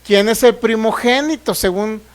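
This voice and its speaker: A man from Mexico preaching a sermon, reading scripture aloud slowly and often checking that the congregation understands. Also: high-pitched. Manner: asks the congregation frequent check questions. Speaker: pastor. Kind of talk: sermon, Bible teaching.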